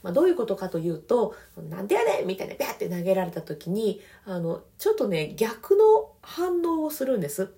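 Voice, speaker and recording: A woman with a Kansai accent giving casual, gentle advice as a podcast host, laughing lightly between points. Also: medium pitch, very animated, a little fast, few pauses. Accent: Kansai Japanese.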